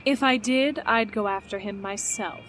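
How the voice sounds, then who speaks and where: An actress playing a sassy, bitter bar owner in an audio drama, with a sardonic, expressive delivery. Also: female voice, mid-range voice, normal speed, slight background noise, lightly acted.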